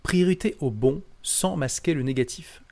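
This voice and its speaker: Punchy animated French motivational man. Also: on the high side, normal speed, vocal fry. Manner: punchy, animated, emphatic delivery. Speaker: self-help presenter. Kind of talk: motivational talk to camera.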